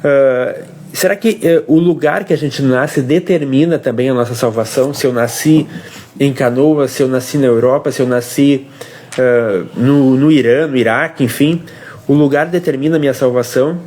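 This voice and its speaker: A man's voice: mid-range voice, darkish tone, slight background noise. A man from Brazil leads a casual devotional livestream from home. He explains a faith question in a mid-range voice, patiently and plainly, breaking off to restart a phrase and asking "right?" along the way. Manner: explanatory, pauses and restarts, asks "tá?". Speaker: co-host of a family devotional livestream.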